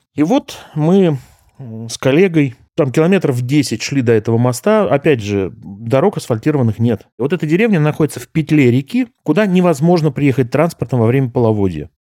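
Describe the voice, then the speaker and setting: Heard in a dry, close sound with no echo, the voice has a dark, mellow tone, lively intonation and a moderate pace. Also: man, fairly high pitch for a man. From Russia, small district town. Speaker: linguist, dialectologist. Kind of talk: casual chat.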